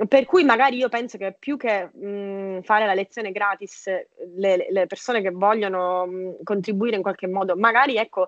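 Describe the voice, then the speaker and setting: A plain, everyday voice talks at a moderate pace with hardly any pauses and ordinary pitch variation. The sound is dry and close with no echo, over a quiet background. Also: woman, medium pitch for a woman. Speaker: yoga teacher. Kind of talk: casual chat; yoga instruction. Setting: at home.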